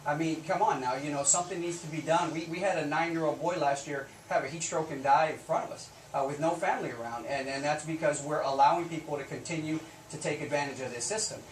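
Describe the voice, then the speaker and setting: Speaking fast with few pauses, this man's voice sits on the high side. In the role of a Border Patrol officer, he gives live news interview answers, pressing his point in a plain-spoken, earnest, insistent manner, captured with roomy echo, faint noise and a faraway mic.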